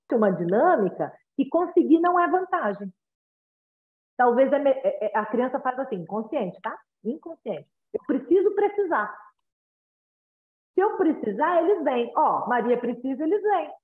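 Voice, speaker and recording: A woman with a Brazilian accent, a parenting consultant advising parents in a conversational way, often checking in with tag questions and acting out little exchanges between parent and child. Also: mid-range voice. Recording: tinny phone-like line.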